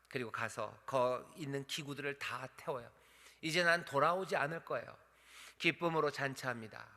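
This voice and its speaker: A man's voice: mid-range voice, bright, forceful tone. A male pastor preaching a sermon, asking the congregation questions and dramatically acting out the voices in the story. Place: church sanctuary. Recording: church hall reverb.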